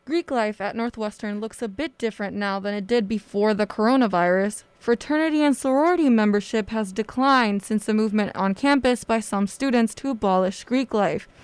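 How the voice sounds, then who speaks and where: A woman's voice: medium pitch, a little fast, hardly any pauses, clean tone, no room sound. A young woman presenting scripted news as a radio host.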